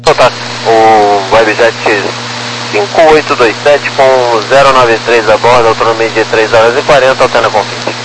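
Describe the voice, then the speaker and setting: A man's voice: mid-range voice, steady tone, moderate pace. Brazilian man on noisy pilot radio. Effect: crackly aviation radio. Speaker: airline pilot. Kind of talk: terse radio readbacks. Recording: noisy humming air traffic radio.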